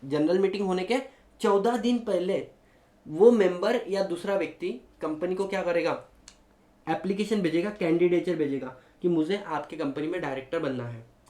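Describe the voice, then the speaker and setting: A man with an Indian accent teaching law to a class, animated and switching between Hindi and English, often asking students if they follow. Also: sits high, normal speed, roomy sound. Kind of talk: classroom lecture.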